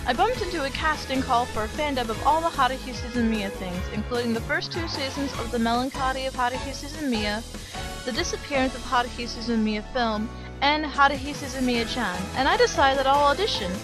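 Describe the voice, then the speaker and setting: A woman's voice: high-pitched, fairly quick, over music. A woman, an amateur voice actor, giving a scripted introduction and credits.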